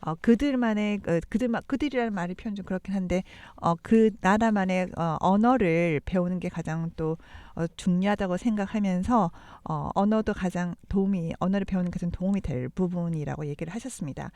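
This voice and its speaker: Rapid-talking woman radio host, Korean accent. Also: fairly low pitch, a little mellow, dry recording. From South Korea. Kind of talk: bilingual interview with interpreting for listeners.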